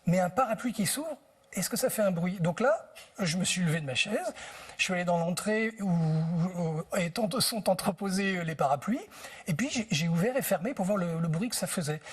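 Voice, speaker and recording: A man's voice: sits high, expressive, moderate pace, husky. A man being interviewed as a translator on TV, telling anecdotes in a thoughtful way and searching for words. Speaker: book translator, interview guest.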